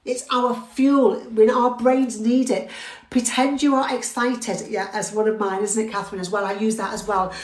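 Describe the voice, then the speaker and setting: Upbeat high-voiced British woman teaching live. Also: fairly even intonation, moderate pace, reverberant, rough recording. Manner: upbeat, talks straight to viewers, reads out comments. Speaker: driving instructor and theory test teacher. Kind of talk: live-streamed lesson, chatty and encouraging.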